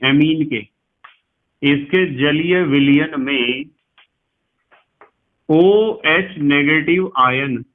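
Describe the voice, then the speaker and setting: A middle-aged man with a western Uttar Pradesh Hindi accent, teaching chemistry as a lecture, explaining slowly, repeating key phrases and quizzing his students. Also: on the high side. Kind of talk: classroom lecture. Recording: tinny phone-like sound.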